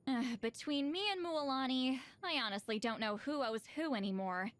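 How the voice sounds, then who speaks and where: A woman's voice: high voice, moderate pace, fairly bright tone, dry recording. An actress playing an awkward but proud shaman woman from a video game, a youthful-sounding tribal elder with a flustered, slightly huffy, hesitant manner. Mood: exasperated, flustered. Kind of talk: animated game character voice lines.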